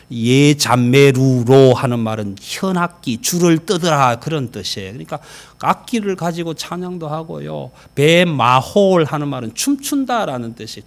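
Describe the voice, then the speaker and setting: A male senior pastor preaching a sermon in a church, talking straight to the congregation and swinging from loud exclamations to near whispers. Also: medium pitch. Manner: conversational, addressing the congregation directly. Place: church sanctuary.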